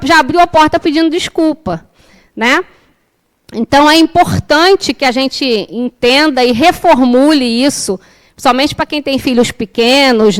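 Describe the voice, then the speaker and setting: A woman with a Brazilian accent teaching a class, telling a personal story in a conversational way with frequent tag questions. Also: high-pitched. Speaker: spiritist course teacher. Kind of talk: lecture with personal anecdote.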